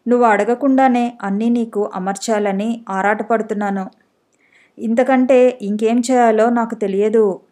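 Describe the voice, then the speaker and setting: A woman reading the part of an exasperated young husband, a busy doctor, in a storybook reading, close to her own voice with a fairly high pitch. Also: fairly even intonation, unhurried, dark tone, natural voice. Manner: exasperated, pleading.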